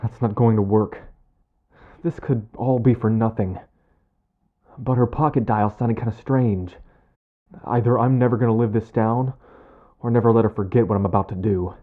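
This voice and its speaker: A man's voice: lowish voice, fairly even intonation, normal speed, narrow, tinny audio, close to an everyday voice. A man acting a concerned, protective friend in an audio drama, with a casual, hesitant manner. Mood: worried, urgent.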